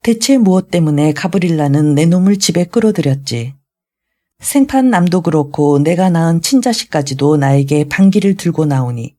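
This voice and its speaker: A raging old retired general roars insults and curses at his family in a storybook reading. His voice stays mellow and warm in tone, sitting at a middle pitch, as a reader acts him out. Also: lively intonation, normal speed, natural voice. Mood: ranting. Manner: shouting, scolding.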